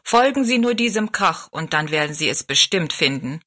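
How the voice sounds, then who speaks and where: A woman's voice: low-pitched, lively intonation, moderate pace, sharp tone, exaggerated voice. A woman voicing a helpful, deferential lad in a storybook, plain and earnest in manner. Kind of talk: storybook narration.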